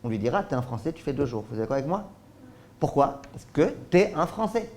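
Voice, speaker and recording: A man's voice: medium pitch, sing-song, fast talker, darkish tone. A man, a rabbi, giving a spoken lesson on Jewish law, explaining through rhetorical questions and acted-out everyday examples, often checking that listeners follow. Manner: frequent checks with listeners ("d'accord?").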